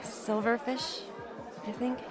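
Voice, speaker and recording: A woman's voice: a little high, little pitch movement, takes it slowly, a crowd in the background. Casting: woman in her twenties, overworked but content homebody, hesitant and understated, naturalistic drama dialogue over music. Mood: hesitant, downplaying. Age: 20s.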